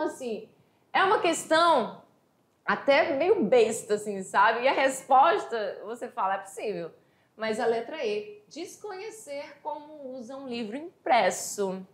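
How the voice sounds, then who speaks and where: Brazilian lady teacher going over exam questions, kinda high voice, lots of room echo. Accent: Brazilian Portuguese. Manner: animated, chatty, reads English quotes slowly. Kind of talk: exam review lesson.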